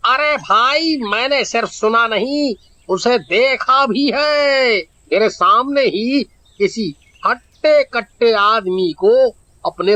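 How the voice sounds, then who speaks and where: A man playing a frightened village man who gossips excitedly about a monster attacking people. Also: sits high, full character voice. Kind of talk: storybook narration.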